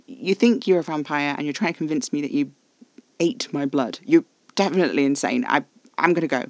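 A man's voice: fairly high pitch, brisk, dry recording, close to an everyday voice. A man voicing a scornful, disbelieving young man in a storybook, blunt and defiant. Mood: incredulous.

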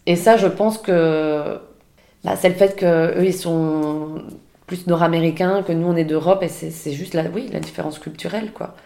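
A woman's voice: lowish voice, fairly even intonation, normal speed, vocal fry, dark tone. A woman from Belgium, a podcast guest, talking casually and hesitantly with many restarts. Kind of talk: casual conversation. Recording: roomy echo.

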